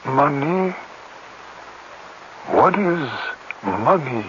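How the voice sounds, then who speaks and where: Slow, solemn tribal elder. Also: male voice, fairly high pitch, sing-song, full character voice. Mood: grave. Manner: slow, formal, pronouncing. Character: stern male tribal elder, solemn father and judge. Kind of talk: 1970s radio drama acting. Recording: muffled, noisy old radio recording.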